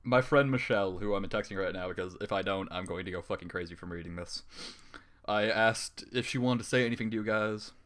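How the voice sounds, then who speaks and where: A man's voice: on the low side, a little fast, fairly bright tone. A young man reading a story aloud and breaking off into exasperated, sarcastic, profanity-laced commentary. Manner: exasperated, sarcastic, swears a lot. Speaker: fanfiction reader. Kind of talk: comedic dramatic reading with commentary.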